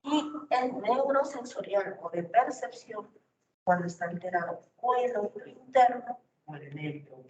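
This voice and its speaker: A woman's voice: medium pitch, lively intonation, a little slow, darkish tone. Woman lecturing in an echoey room. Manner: explanatory, checks in with rhetorical questions. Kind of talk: university lecture. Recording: distant, roomy, dull lo-fi recording with faint noise.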